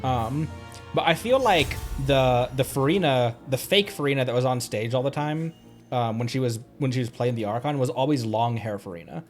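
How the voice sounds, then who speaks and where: A man's voice: mid-range voice, moderate pace. A man streaming a video game, chatting casually and rambling as he thinks aloud. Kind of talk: casual livestream gameplay chat. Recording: game music behind the voice. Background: soft game music.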